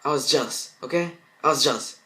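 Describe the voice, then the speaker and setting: A man's voice: a little high, fairly quick, sharp tone, pitched above the performer's own voice. A man voicing a jealous, greedy young woman, pleading frantically in an amateur story reading. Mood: desperate, defensive. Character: jealous, greedy young female best friend turned arsonist.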